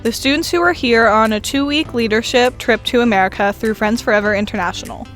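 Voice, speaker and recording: A teenage girl narrates a student news segment in an even, read-aloud style. Her voice sits a little high, and soft music plays underneath. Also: fast. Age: teens. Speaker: student reporter. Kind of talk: scripted news voice-over.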